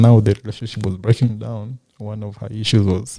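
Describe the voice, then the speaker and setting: Soft-spoken and somewhat breathy, a man speaks with a dark, mellow tone and fairly even intonation. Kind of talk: podcast interview, personal storytelling. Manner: witty.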